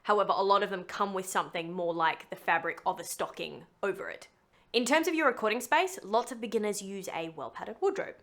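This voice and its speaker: A woman's voice: medium pitch, expressive, brisk, fairly bright tone. Playful woman presenting a tutorial. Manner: chatty, playful, with wry asides. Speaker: voice actor giving a tutorial. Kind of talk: scripted tutorial narration.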